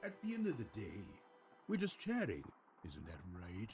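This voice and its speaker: Sneering game villain, smug, drawn-out, swooping pitch, music behind. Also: male voice, huge pitch swings, darkish tone. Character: cold, mocking male villain, middle-aged. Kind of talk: video game cutscene acting.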